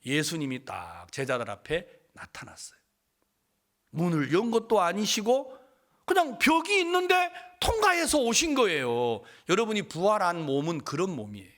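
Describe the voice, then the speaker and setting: A middle-aged male pastor preaching a sermon, telling the story with animated storytelling and acting out the quoted dialogue in changed voices. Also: high-pitched, moderate pace.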